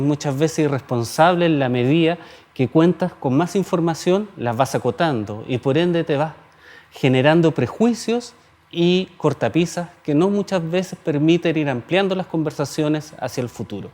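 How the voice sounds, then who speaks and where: A Chilean designer in his forties giving a reflective personal talk, speaking in a measured way and stacking up lists of phrases. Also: mid-range voice, darkish tone. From southern Chile.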